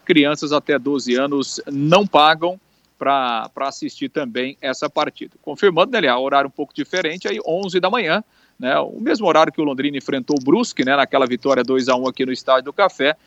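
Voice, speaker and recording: A man's voice: on the high side, brisk, fairly bright tone, no room sound, lo-fi sound. A man with a Brazilian accent giving a conversational live radio report on match details.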